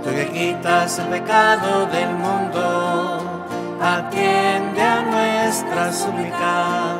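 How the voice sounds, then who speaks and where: Young woman cantor singing slowly over instruments. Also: on the low side, fairly even intonation. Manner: slow, sustained singing. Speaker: church cantor. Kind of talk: sung liturgical hymn. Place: large stone chapel. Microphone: stand mic. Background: guitar, violin and flute accompaniment.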